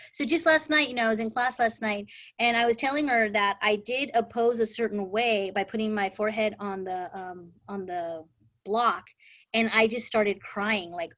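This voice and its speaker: A woman's voice: a little high, fairly bright tone. A middle-aged woman teaching a live exam prep class in a casual, chatty way, telling stories and often asking "right?". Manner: chatty, storytelling, frequent "right?" and "like". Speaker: insurance exam prep instructor.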